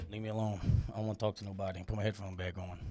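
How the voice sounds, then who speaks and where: A man talks at a very fast pace with a south Louisiana accent. His pitch is fairly low and his intonation fairly even. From south Louisiana, Plaquemines Parish. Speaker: podcast host. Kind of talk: casual chat.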